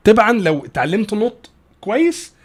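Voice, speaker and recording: A man with an Egyptian Arabic accent explains things in a rush of quick speech. He talks in an animated way, keeps breaking off and repeating words, and his voice sits on the higher side. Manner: animated, fast, many restarts and repeated words. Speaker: English pronunciation teacher, guest. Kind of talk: casual podcast conversation.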